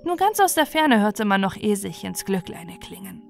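A woman storyteller giving an expressive bedtime fairy-tale narration. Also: mid-range voice, moderate pace, vocal fry, soft background music.

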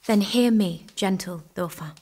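An actress playing an earnest, bold and devout young peasant maiden in an audio drama. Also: female voice, medium pitch, a little slow, a little mellow, natural voice. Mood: solemn, assured.

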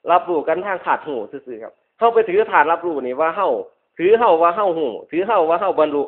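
A man with an Isan accent from northeastern Thailand preaches a Buddhist sermon as a monk, his voice fairly high, expressive and quick. He drives points home by repeating them, ending phrases politely. The sound is dull and lo-fi, like an old radio.

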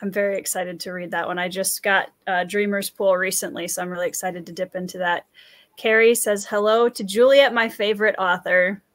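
A woman's voice: fairly low pitch, steady tone, brisk. A young woman hosting a casual livestream interview in an enthusiastic, chatty way on a headset. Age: young adult. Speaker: interview host. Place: room with bookshelves, indoors, video call.

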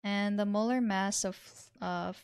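A woman in her twenties giving a chemistry tutorial, explaining step by step in a measured way. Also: medium pitch, fairly even intonation, darkish tone, clean tone, no echo, studio quality. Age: 20s. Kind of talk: instructional tutorial, working through a problem. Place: small indoor room at a desk.

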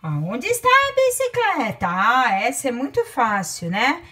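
A woman teacher, from Brazil with a Brazilian Portuguese accent, dictating words to young children, counting aloud and stretching each word out slowly. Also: high voice, big pitch swings, pushed and bright, husky.

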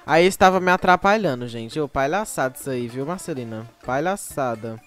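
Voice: medium pitch, animated, a little fast, a bit bright, faint music behind. A Brazilian-accented YouTube gamer chatting to viewers while playing, with frequent exclamations and sudden shrieks. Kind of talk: casual gameplay commentary.

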